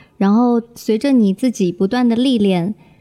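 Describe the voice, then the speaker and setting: Soft-spoken and gentle, a woman talks at a fairly slow pace. Her tone is dark and mellow, with ordinary pitch variation. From Jiangsu, China. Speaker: Japanese-language content creator. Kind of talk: casual chat. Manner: gentle, soft-spoken.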